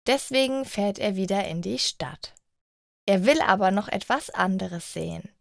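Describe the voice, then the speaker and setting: A woman reading a scripted short story for language learners in a measured way, sentence by sentence. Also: medium pitch, animated, vocal fry, no echo, clean studio sound. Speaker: narrator of short stories for German learners.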